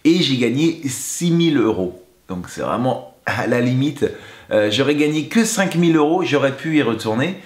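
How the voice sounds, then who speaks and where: A man's voice: medium pitch, lively intonation, moderate pace, reverberant. A man, a singer and YouTuber, answers fan questions in a playful, chatty vlog style. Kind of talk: casual vlog Q&A.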